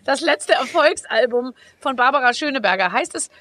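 A woman with a high voice hosts a podcast in casual, chatty talk. She interviews briskly and jokingly. Faint noise sits under the recording. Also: expressive. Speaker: podcast host. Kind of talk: casual chat.

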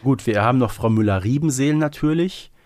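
A man's voice: mid-range voice, fairly quick, a little mellow, no echo, clean studio sound. A man chatting casually as a podcast co-host, musing and often tagging remarks with a short question. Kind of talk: casual conversational fan podcast talk.

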